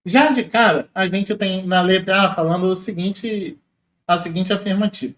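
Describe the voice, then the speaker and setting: A man walks through exam questions as a teacher, in a casual, explanatory way, slowing down to spell out syllables. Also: high voice, fairly bright tone, echoey room. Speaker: Portuguese teacher.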